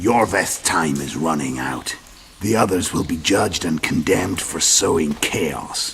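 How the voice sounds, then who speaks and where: A man in a put-on character voice speaks at a moderate pace with a very deep, low pitch, amid clear background noise. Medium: video game. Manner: calm, measured.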